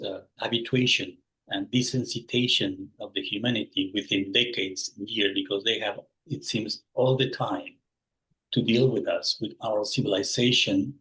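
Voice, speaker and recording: Man in his sixties from Peru, low voice. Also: a bit bright, low-quality recording. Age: 60s. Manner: searching for words, rephrasing as he goes. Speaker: guest. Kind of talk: interview answers.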